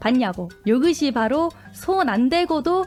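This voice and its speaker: Over music in the background, a woman speaks very slowly at a high pitch with very wide pitch swings. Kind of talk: comic tutorial explanation. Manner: casual, boisterous.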